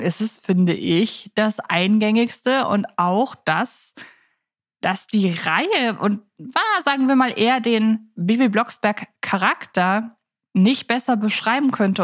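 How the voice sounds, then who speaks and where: A woman's voice: medium pitch, dry recording, studio quality. A woman co-hosting a casual podcast discussion, speaking in a reflective, opinionated way. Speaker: podcast co-host.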